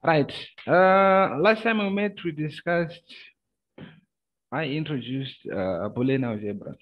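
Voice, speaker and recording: A man giving a university lecture online, speaking haltingly with many pauses and filler sounds, captured in a screen recording of a video call. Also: on the high side, animated. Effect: screen-recorded video-call audio. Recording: narrow, phone-like video-call audio.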